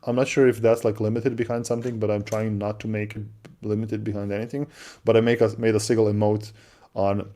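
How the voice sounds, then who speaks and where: A man with an accent co-hosting a livestream, answering viewer questions in a relaxed, chatty way with lots of fillers and restarts. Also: fairly low pitch, fairly quick. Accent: non-native English. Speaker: livestream co-host. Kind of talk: casual livestream chat.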